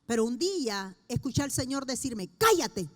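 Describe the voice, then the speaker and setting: High-voiced woman pastor preaching. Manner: earnest, with slow emphatic pauses. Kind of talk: sermon.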